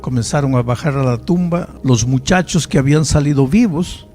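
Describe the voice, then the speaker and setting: A man's voice: medium pitch, normal speed, darkish tone, faint music behind. A man preaching a sermon, telling a story dramatically with repeated phrases.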